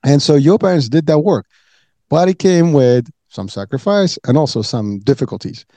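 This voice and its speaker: A man's voice: on the high side, expressive, normal speed, warm tone, dry recording. A man from Morocco hosting a podcast, talking earnestly in a loose way, repeating words and saying "you know" a lot. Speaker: podcast host. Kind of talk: casual interview talk.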